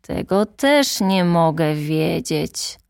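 A woman's voice: sits low, expressive, creaky, a little mellow, no echo, studio quality, heavily acted. A woman doing a pompous old geographer. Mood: lecturing. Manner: slow, lecturing, self-important. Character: pompous older male geographer at a desk.

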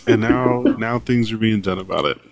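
A man co-hosting a podcast in a relaxed way, summing points up plainly. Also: fairly low pitch, normal speed, background noise. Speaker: podcast co-host. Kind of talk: casual chat.

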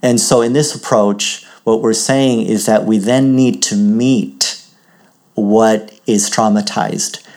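A man with a somewhat low voice speaks slowly and reflectively, as in a spiritual teaching. He is from Uganda and weighs his words carefully, often pausing as he searches for the right phrase. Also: darkish tone. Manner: thoughtful, measured, pausing to find words.

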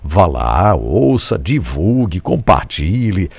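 Deep gravelly-voiced Brazilian radio host. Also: male voice, slow pace, no room sound. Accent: Brazilian Portuguese. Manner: animated and encouraging, repeats phrases. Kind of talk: devotional radio show, addressing listeners. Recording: music playing behind the voice.

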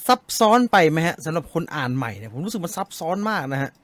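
A man's voice: on the high side, big pitch swings, fairly bright tone, no room sound. A man hosting a casual chat, asking questions and agreeing readily. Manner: quick, agreeable, laughs along.

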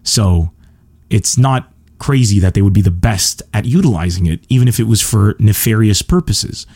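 A Lebanese man hosts a solo podcast, answering listener questions in a monologue. He's a stand-up comic, and his fairly low, darkish voice moves at a moderate pace with lively intonation, sounding earnest, emphatic and sure of himself.

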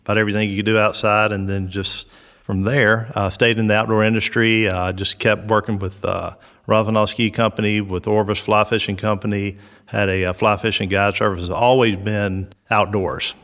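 A middle-aged man from South Georgia with a Southern accent, answering interview questions in an unhurried way, with many "uh"s and "um"s. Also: on the low side, level tone, fairly bright tone, long reverb tail. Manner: unhurried, lots of "uh" and "um" fillers. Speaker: resort recreation director.

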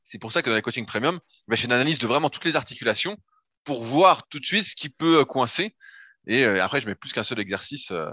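In this casual podcast chat, a man who coaches fitness explains his method one step at a time, letting slip the occasional swear word. His medium-pitched voice is expressive, fast, pushed and bright, with no echo, though the audio is dull lo-fi.

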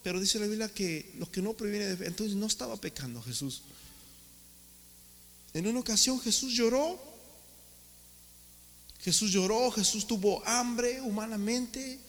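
Preaching in a church hall, a pastor asks rhetorical questions and addresses the congregation as brothers. His high voice moves a little slowly with frequent pauses, trailed by a long reverb.

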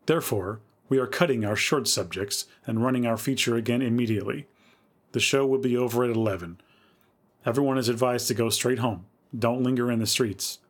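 A man's voice: mid-range voice, close to an everyday voice. A man reading the part of a theater manager making a formal announcement in a dramatic story reading. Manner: announcing, measured. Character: formal small-town theater manager, male.

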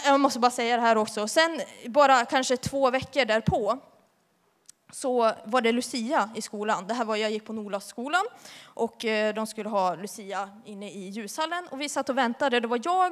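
Chatty young woman in reverberant church. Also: on the high side. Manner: lively, chatty, laughs often. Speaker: youth leader giving a testimony. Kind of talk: church testimony. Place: church hall.

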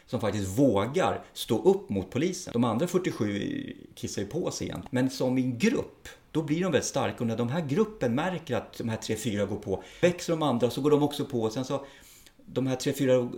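A man's voice: medium pitch, lively intonation, a little mellow. A middle-aged man, a police officer, speaking frankly and plainly in an interview, with some swearing. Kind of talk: interview conversation.

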